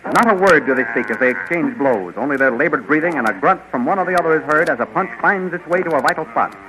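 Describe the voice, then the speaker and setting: A man's voice: a little high, lively intonation, quick pace. A man announcing and narrating a 1930s radio serial in a dramatic, declamatory style. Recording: muffled, noisy 1930s radio recording.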